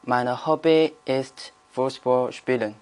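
Young man from China, exam candidate; very slow, careful, clear-voiced. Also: mid-range voice, fairly even intonation. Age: young adult. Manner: careful, halting. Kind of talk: spoken language exam answers. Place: indoor room. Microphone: lapel mic.

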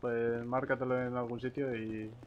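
A man's voice: medium pitch, level tone, moderate pace, phone-quality sound. A man with an accent from Spain chatting casually as he plays an online roleplay game, hesitant and repeating words over a noisy gaming mic. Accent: Spanish, from Spain. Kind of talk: casual in-character game chat.

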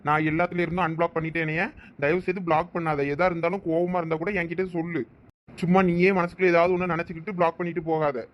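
A pushy, lovesick young man in a cartoon, voiced by a man. He talks fast in a fairly high voice, pressing and demanding. He keeps at it without letting up. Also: flat delivery, background noise, close to an everyday voice. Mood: pleading. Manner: insistent, demanding.

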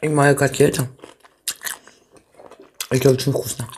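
Mukbang host, a woman speaking through a mouthful of food, mellow blunt voice, faint hiss behind. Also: rumbling low, level tone, measured pace. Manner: blunt, offhand, chewing between phrases. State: mouth full. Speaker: mukbang vlogger. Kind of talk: casual chat to camera while eating.

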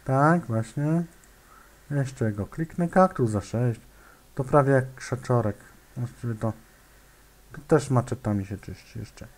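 A man's voice: medium pitch, a little slow, long pauses, a little mellow. A man giving casual gameplay commentary, muttering to himself, hesitating and making clicking sounds as he plays. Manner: hesitant, many fillers and restarts.

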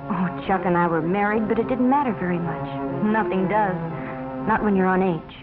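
A woman's voice: medium pitch, moderate pace, close to an everyday voice. Muffled 1950s film actress as troubled young woman confessing. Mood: weary, bitter. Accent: American. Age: young adult. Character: troubled young former heroin addict confessing wearily. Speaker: narrator of a confessional story. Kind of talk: 1950s educational film narration in first person. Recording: muffled 1950s film soundtrack, music behind.

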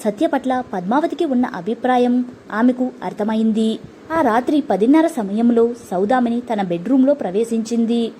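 A woman narrating an audiobook story in a calm, measured way. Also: a little high, slight background noise.

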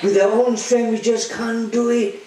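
Older male priest, slow emphatic homily, very echoey church, lectern mic. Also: very high voice, level tone, mellow. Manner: slow, emphatic preaching, pausing for the interpreter. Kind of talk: homily with interpretation. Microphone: lectern microphone.

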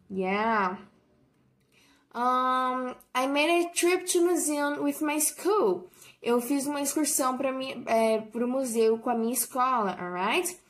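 Slow-speaking Brazilian woman teaching English. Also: fairly high pitch. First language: Portuguese. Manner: slow, drawn-out model pronunciation, tag "alright?" after each example. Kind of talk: bilingual vocabulary lesson.

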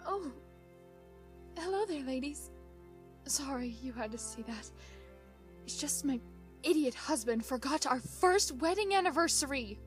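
A woman's voice: sits high, lively intonation, a little slow, pauses often, faint music behind. A woman playing a hurt, exasperated young mare pony wife, confiding dramatically in a fan fiction monologue. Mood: apologetic, confiding.

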